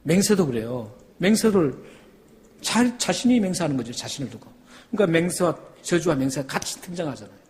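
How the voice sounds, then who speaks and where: Emphatic Korean pastor in a reverberant hall. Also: male voice, a little high, lively intonation, a little fast. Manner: emphatic, rising to loud peaks, asks the congregation questions. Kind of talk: sermon. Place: church sanctuary.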